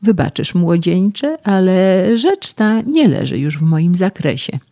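A man's voice: high voice, sing-song, slow, mellow, voice pushed up, heavily acted. A man reading an audiobook, voicing a self-assured physician who lectures a young man in a sermonizing, patronizing way. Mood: lecturing.

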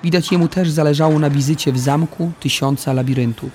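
A man narrating a children's adventure story in the first person, with a lively storytelling delivery. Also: a little high, a little fast, a little hiss or hum.

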